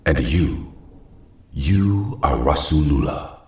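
A man voicing a commanding archangel messenger, slow and solemn, with a gravelly, weighty voice. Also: animated, heavily acted. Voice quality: very deep, gravelly. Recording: roomy echo on the voice.

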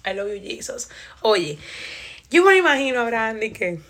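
A young woman with a Dominican accent reads scripture live and chats with her viewers, laughing and expressive. Her voice sits fairly high and sounds bright and forceful. It comes through a phone livestream. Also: moderate pace. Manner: animated, laughing, chatty and expressive. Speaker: Bible reading livestreamer. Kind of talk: casual live Bible reading.

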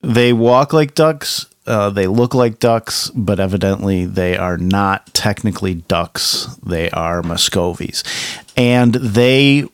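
Man, co-host, slightly sick, low voice, dry close sound, matter-of-fact. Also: slow, clean tone, no echo. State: a little sick. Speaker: podcast co-host.

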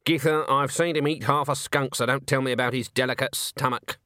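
A man's voice: mid-range voice, fairly even intonation, brisk, pushed and bright, dry recording, clean studio sound, lightly acted. A man voicing a stern, stubborn elderly witch in a storybook, curt and disapproving, with rustic turns of phrase.

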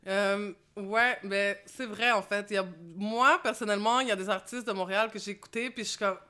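A young woman with a Québécois French accent, a rap artist chatting in an interview, lively and slangy, dropping English words into her French. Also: medium pitch, brisk, clean tone. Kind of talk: casual interview chat.

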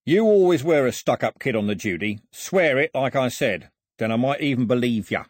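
A man acts out a cunning storybook villain. He is a husky, sneering bully with sarcastic, colloquial talk and a very lively swing in pitch. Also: moderate pace, dry recording, studio quality. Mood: demanding. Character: menacing, sneering male criminal, cunning and mocking.

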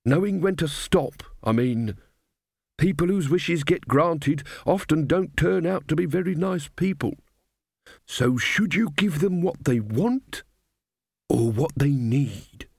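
A man's voice: a little high, animated, slow, gravelly, a little mellow, breathy edge, no room sound, studio quality, voice pushed up, heavily acted. A man voicing a mild, cheerful old fairy godmother woman who chats and rambles. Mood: mild, chatty.

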